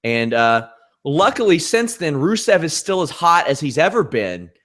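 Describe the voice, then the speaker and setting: A man's voice: a little high, big pitch swings, normal speed, a bit bright. Nasal-voiced man, wry podcast co-host. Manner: wry, sarcastic asides. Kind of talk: casual wrestling chat.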